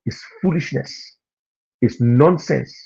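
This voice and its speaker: A man's voice: mid-range voice, slow pace, gravelly, darkish tone, breathy edge, highs cut off. A Liberian man with a Liberian accent gives impassioned political commentary on a live radio and TV stream. He scolds the listeners and repeats his points for emphasis.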